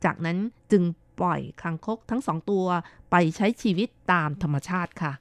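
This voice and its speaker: A woman co-hosts a radio chat show with a smooth, clear voice, reading listener comments aloud. She talks in a chatty, playful way with polite sentence endings. The studio sound is dry and close. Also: on the low side, moderate pace, no echo. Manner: chatty, playful, ends phrases with polite particles. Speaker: radio co-host.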